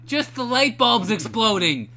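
A man's voice: high voice, animated, a little slow, bright, forceful tone. A young man giving casual, joking game commentary in a rambling, teasing way as co-host of a let's play. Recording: clearly noisy home recording.

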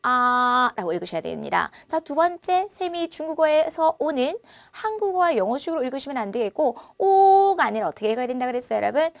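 Bright-voiced woman teaching Chinese vowels. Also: high-pitched, gravelly, no echo. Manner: lively, drills vowel sounds loudly and slowly. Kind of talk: online language lesson.

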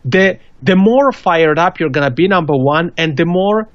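A man's voice: on the high side, animated, moderate pace, no room sound. Swiss-accented man giving earnest advice. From Switzerland. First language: not English. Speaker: podcasting guest. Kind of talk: video call interview. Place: small indoor room. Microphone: studio mic with pop filter on a video call. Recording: dull, dry video call audio.

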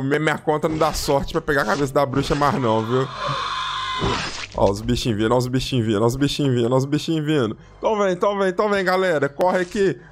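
A young Brazilian man giving excitable, casual let's-play commentary, talking straight to his viewers and repeating phrases as he plays. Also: on the high side. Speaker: gaming YouTuber. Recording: game music playing behind.

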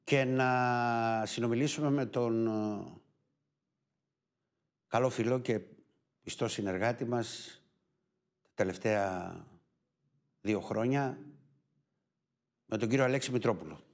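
Male TV host with a Greek accent, mid-pitched, unhurried delivery, pauses with fillers. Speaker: TV show host. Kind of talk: live TV show opening.

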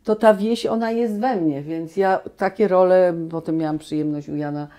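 A guest actress from Poland tells stories in a low, mellow voice at a moderate pace. Her storytelling is animated and full of restarts, part of a relaxed, reminiscing conversation held indoors in a small, cozy room.

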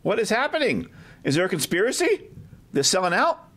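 A high-pitched man with wildly swooping intonation talks a little fast, his slightly bright voice carrying a breathy edge. He's a video host and comic collector touring a packed, medium-sized shop on a handheld camera he holds himself, keeping it chatty and spontaneous and often tagging questions onto his comments.

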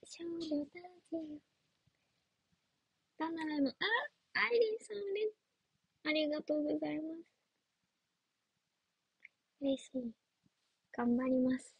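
A woman's voice: sits high, a little slow, creaky, pauses often, dry recording, dull audio. A young woman chatting casually on a livestream as an idol trainee, giggly and playful as she answers viewer comments. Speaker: idol trainee streaming live.

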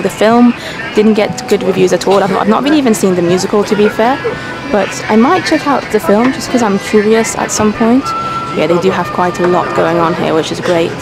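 This young woman, a travel vlogger with a Persian-speaking family background, speaks at medium pitch while chatting casually to her camera from a business class airplane seat. She shows things off with enthusiasm and is easily impressed, filming handheld at arm's length. The audio is poor, with background music underneath.

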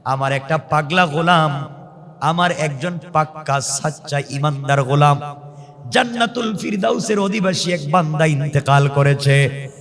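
A man preaching an Islamic sermon as dramatic, plaintive storytelling, with repeated phrases and drawn-out, chant-like calls. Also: a little high, crowd noise. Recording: long hall reverb from PA.

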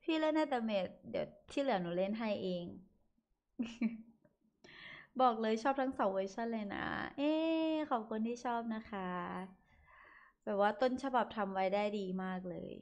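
A woman's voice: fairly high pitch, animated, a little slow, a little mellow. A young woman hosting a casual livestream, chatty and giggly as she reads comments aloud and thanks viewers. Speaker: livestream host reading chat.

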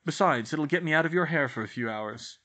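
A man's voice: a little high, expressive, fairly quick, sharp tone, pitched above the performer's own voice. A man voicing a defiant teenage boy who talks in a firm, self-assured way. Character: defiant teenage boy wizard, calm and smug.

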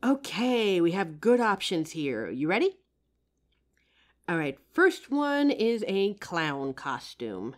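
A woman with a lowish voice voices a friendly, inquisitive psychic working in a costume shop for a roleplay audio drama. Her one-sided chat with the listener is encouraging, expressive and talkative, broken up by pauses and gentle laughter.

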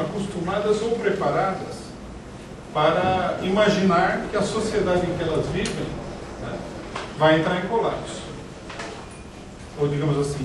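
A middle-aged man with a Brazilian Portuguese accent giving a political lecture in a small meeting room, speaking in a measured way with many pauses and restarts. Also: sits high. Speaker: party leader giving a lecture. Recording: echoey room, picked up from a distance, noisy.

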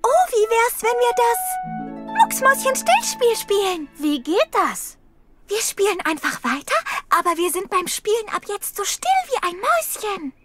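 A woman playing a kind, eager little girl in a German cartoon dub, expressive and encouraging. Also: extremely high pitch, normal speed. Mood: playful. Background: music.

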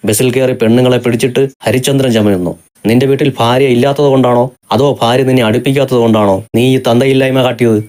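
A man voicing a fierce, protective young man who shouts in fury. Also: mid-range voice, flat delivery, moderate pace, natural voice. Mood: furious. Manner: shouting, furious.

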